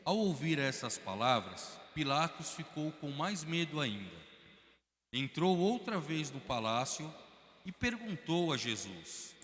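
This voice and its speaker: Brazilian guy narrating the passion, slow and steady, big church reverb. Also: on the high side. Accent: Brazilian Portuguese. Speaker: narrator reader. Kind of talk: liturgical Passion reading. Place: large church.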